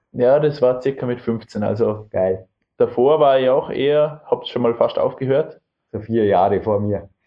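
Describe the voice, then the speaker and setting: A man has a normal speaking voice with a medium pitch. He talks at a moderate pace with ordinary pitch variation. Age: 20s. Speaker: judo athlete. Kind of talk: interview.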